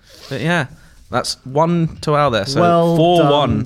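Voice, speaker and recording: In a British accent, the speaker talks at a very slow pace with ordinary pitch variation. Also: man, fairly high pitch for a man. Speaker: podcast co-host.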